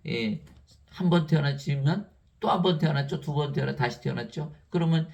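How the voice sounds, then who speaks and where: A man preaching a sermon in an emphatic, lively way, reading scripture aloud and laughing between points. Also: fairly high pitch, brisk, creaky, lo-fi sound.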